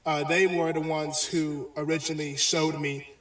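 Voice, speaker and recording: A man giving a bible lesson in a halting way, with many pauses and fillers. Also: fairly high pitch, little pitch movement, a bit bright. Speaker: religious teacher. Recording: echoey, distant video playback.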